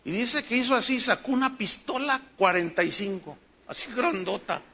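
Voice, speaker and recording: A man with a Mexican accent, a pastor preaching a sermon with emphatic rhetorical questions and animated storytelling. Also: sits high, normal speed. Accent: Mexican Spanish.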